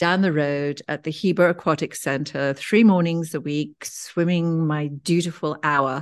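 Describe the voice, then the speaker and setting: A woman's fairly low voice with a British accent at a moderate pace, over a quiet background. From Kenya, East Africa (British family). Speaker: theologian. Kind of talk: interview, personal life story. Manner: halting, with repeated words.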